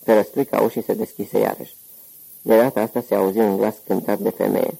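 A man narrating an audiobook novel with a steady, measured reading. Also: lowish voice, vocal fry, rough recording. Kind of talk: scripted narration.

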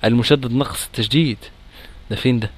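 A man with an Egyptian accent teaching a Quran recitation lesson, nasal and congested from a cold, lively and quizzing his class. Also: mid-range voice, fast talker. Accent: Egyptian Arabic. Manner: lively, questions the class, chants recitation examples.

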